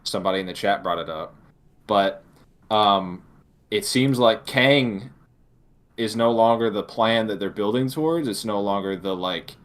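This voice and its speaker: A male podcast co-host with a fairly deep-pitched voice talks casually through the news. He speaks in a halting way, as if working out his thoughts aloud. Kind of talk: casual discussion of film news.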